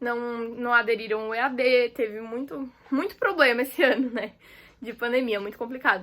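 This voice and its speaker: The voice moves at a moderate pace with a bright, sharp tone, ordinary pitch variation and big swings in loudness. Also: woman, high pitch for a woman. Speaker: youtuber, pre-med exam candidate. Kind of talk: casual vlog monologue. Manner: halting.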